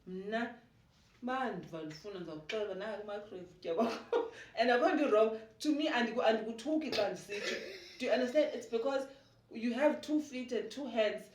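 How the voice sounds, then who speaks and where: A woman's voice: on the high side, fast talker, a little hiss or hum. A woman in her forties with a South African Xhosa accent, a podcast guest talking animatedly and switching between Xhosa and English. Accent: South African, Xhosa-speaking. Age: 40s. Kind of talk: casual conversational interview. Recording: echoey room, mic at a distance.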